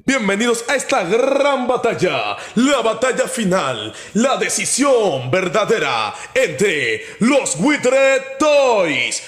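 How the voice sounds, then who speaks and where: A man narrating a fight as a theatrical, bombastic commentator in an excited ringside announcing style. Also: high voice. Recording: reverberant hall-like echo with music. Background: music.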